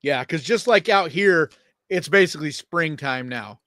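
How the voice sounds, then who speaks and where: Podcast dude, kinda high voice, swears a lot, hyped reactions, dry sound. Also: male voice, lively intonation, a little slow, a bit bright, no room sound. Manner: casual, swears, upbeat reactions. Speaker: podcast co-host. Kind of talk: casual chat.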